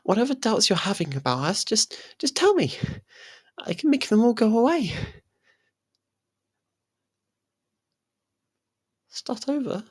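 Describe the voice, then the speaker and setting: A lovestruck faerie royal, voiced by a performer, speaks in a mid-pitched voice for an intimate ASMR roleplay. The delivery is soft and halting, tender yet anxious, with a clingy, possessive streak. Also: very animated, husky. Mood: anxious, pleading.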